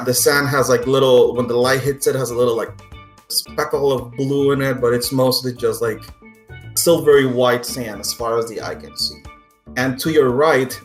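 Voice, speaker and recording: A man narrating a tabletop game as game master, improvising descriptions in a halting, conversational way with casual asides. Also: mid-range voice. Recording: roomy echo, music underneath.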